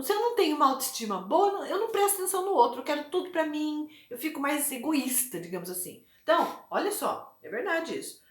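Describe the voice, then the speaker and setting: A woman, an educational psychologist, giving parents an informal, chatty talk and often checking in with the listener. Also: high-pitched. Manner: chatty, punctuates with "né?". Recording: echoey room.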